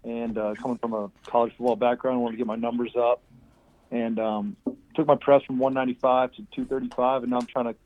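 A man's voice: mid-range voice, flat delivery, fast. A young adult man calling in to a radio show over the phone, friendly and upbeat. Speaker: caller. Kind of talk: call-in radio chat. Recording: tinny phone line.

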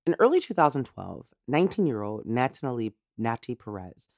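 A woman's voice: extremely low pitch, very animated, moderate pace, vocal fry, darkish tone, dry recording, studio quality. A woman hosting a true crime podcast, narrating a scripted story in a suspenseful, dramatic way.

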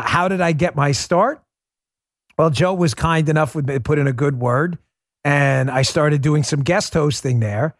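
Here a middle-aged podcast host performs a political monologue, his studio mic capturing a dry sound. He's emphatic, talking straight to his "folks," with his volume rising and falling and sinking low whenever he wants something to land.

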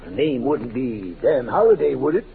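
A man's voice: medium pitch, very animated, moderate pace, vocal fry. A man playing a folksy, wry older stage doorman in a 1940s radio drama. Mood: wry, friendly. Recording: muffled, noisy old radio recording.

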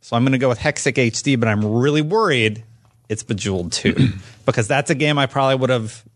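A man's voice: mid-range voice, fast talker. A man on a podcast panel, talking casually and conversationally. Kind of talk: casual chat.

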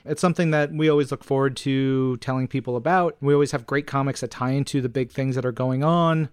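A man's voice: medium pitch, steady tone, brisk, clean tone, no room sound, clean studio sound. A man co-hosting a podcast in casual promotional fan chat, speaking with an enthusiastic, emphatic, jokey manner. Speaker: podcast co-host.

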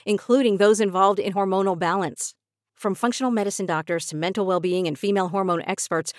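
A woman's voice: mid-range voice, no echo, studio quality. A woman reading a scripted advertisement in a persuasive sales delivery. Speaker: ad reader.

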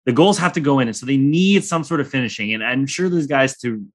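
A man's voice: medium pitch, lively intonation, a little fast. A young man hosting a sports podcast in casual chat, rambling and joking with crude humor. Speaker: podcast host.

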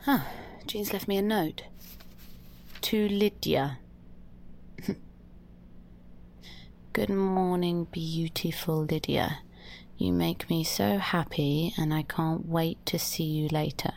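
An actress playing a sleepy young woman talking softly and drowsily. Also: deep voice, fairly even intonation, slow, gravelly, pauses often, a little hiss or hum, full character voice. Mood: drowsy. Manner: soft, drowsy, murmuring. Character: sleepy young woman waking in her lover's bed.

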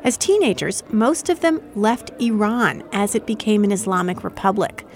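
A woman news anchor reading a crisp, steady scripted introduction. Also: mid-range voice, normal speed.

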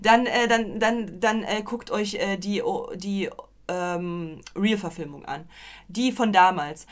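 A woman's voice: mid-range voice, takes it slowly. A young woman co-hosting a podcast, chatting casually about films, rambling with many restarts and playful teasing. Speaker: podcast co-host. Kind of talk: casual film review chat.

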